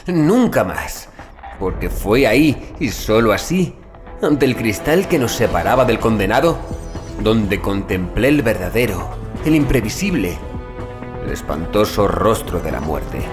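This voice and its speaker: Low-voiced man narrating horror over music. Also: big pitch swings, a little slow. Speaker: audiobook narrator. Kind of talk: dramatic scripted horror narration in the first person.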